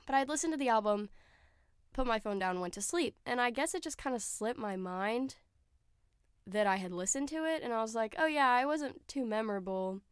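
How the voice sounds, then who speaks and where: A woman's voice: mid-range voice, a bit bright, clean tone, dry recording, clean studio sound. A young woman hosting her own podcast, talking casually and chattily with lots of fillers, sounding a little nasal and stuffy from a cold. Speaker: podcast host. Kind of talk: casual solo podcast chat.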